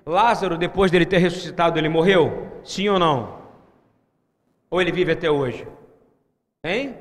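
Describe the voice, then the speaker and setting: Man, preacher, high voice, emphatic sermon, calls to congregation, long hall reverb. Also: moderate pace.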